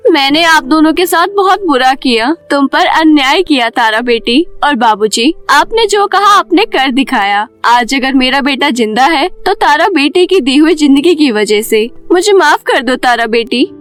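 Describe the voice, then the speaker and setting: Woman voicing a humble pleading stepmother, high-pitched. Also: expressive, a little slow, hardly any pauses, a bit bright, faint music behind. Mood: remorseful. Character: humble, remorseful stepmother, pleading mother of sick boy.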